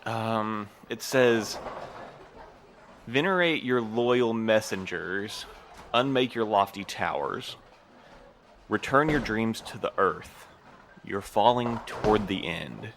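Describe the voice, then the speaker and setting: An actor playing a weary, guilt-burdened man in an audio drama, speaking in an earnest, halting way. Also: fairly low pitch, a bit bright, a little hiss or hum. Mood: earnest, tentative. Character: weary, guilt-burdened man who translates a forbidden language.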